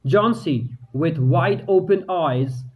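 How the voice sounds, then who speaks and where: A male narrator reads the story at an unhurried, careful pace. His voice sits fairly high for a man, and each sentence is set down plainly. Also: lively intonation, dull audio. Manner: slow, measured reading. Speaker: story reader. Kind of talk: scripted narration.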